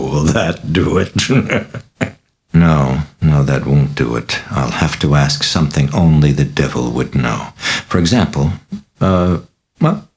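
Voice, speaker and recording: A man voicing a calm, skeptical priest who questions patiently and reasons things out, in an audiobook reading. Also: extremely low pitch, creaky, exaggerated voice. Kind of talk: audiobook character voice.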